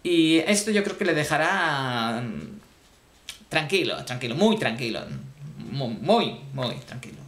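A man's voice: medium pitch, very animated, unhurried, fairly bright tone. A man playing a smug male psychiatrist who hands out pills, talking down to his patient in a rambling, condescending way. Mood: soothing. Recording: roomy echo.

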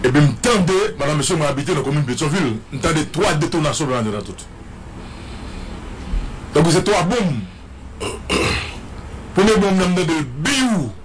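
A man's voice: on the high side, animated, normal speed, pauses often, slight background noise. A man with a Haitian French accent giving a dramatic, repetitive eyewitness account, imitating the sounds he heard. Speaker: guest commentator.

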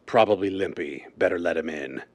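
A man as a deep, menacing crime boss. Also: fairly quick. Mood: menacing suspicion. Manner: curt, bossy, threatening. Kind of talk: 1930s radio drama acting.

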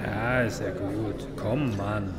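A man's voice: on the low side, steady tone, takes it slowly, a crowd in the background. A man playing a defiant, cocky onlooker in an audio drama. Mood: grudging. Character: defiant, cocky gawker in a crowd.

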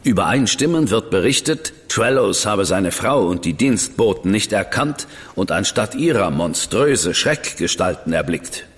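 An actor playing a reserved, measured investigator in a radio drama. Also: male voice, on the low side, animated. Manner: measured, dry, withholding. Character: cool, reserved male investigator, brother of a famous detective. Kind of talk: German radio drama acting. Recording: long reverb with music behind.

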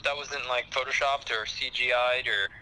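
A man heard through a speakerphone, talking casually as a guest fishing expert with dry, deadpan humor. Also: mid-range voice, moderate pace, crowd noise, low-quality recording. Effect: speakerphone call. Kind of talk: casual phone conversation.

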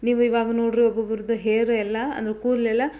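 A woman's voice: fairly high pitch, flat delivery, racing, dull audio. A woman with a North Karnataka Kannada accent giving an informal how-to for viewers, chatty and repetitive, mixing in English words. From Karnataka, India. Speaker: home-remedy vlogger.

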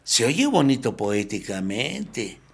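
A man giving a spiritual recovery talk, telling it as a lively story and repeating phrases for emphasis. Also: mid-range voice, slow, creaky, husky. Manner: lively storyteller who acts out the quotes he tells. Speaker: speaker at a recovery group meeting.

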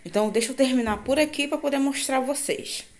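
A woman with a high voice and a fairly quick pace vlogs casually at home in the kitchen and yard, speaking with a Brazilian Portuguese accent. She addresses viewers familiarly and often asks them to agree. The phone is handheld and the recording noisy.

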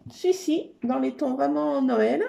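Woman, crafting show-and-tell, unhurried, faint background hiss. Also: sits high, vocal fry. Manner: enthusiastic, many fillers, repeats "trop beau". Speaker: scrapbooking crafter.

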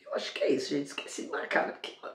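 Hoarse chatty São Paulo woman. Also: very fast, reverberant. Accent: São Paulo Brazilian Portuguese. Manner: chatty, keeps saying "gente", jokes about her own voice. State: hoarse from a cold. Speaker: beauty vlogger and sales consultant. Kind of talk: casual product review to camera. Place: indoor room with a brick wall.

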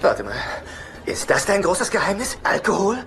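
Whiny, animated sitcom loser. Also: male voice, sits high, normal speed, full character voice. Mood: protesting, loosening up. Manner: hesitant, whiny, anxious. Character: neurotic, insecure, self-pitying younger man, meek brother. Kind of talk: German sitcom dubbing. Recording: TV soundtrack with clear background noise.

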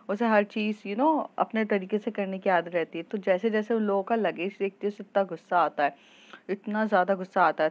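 A woman narrating a love story in a casual, chatty way, mixing English words into her speech. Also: medium pitch. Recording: dull lo-fi recording.

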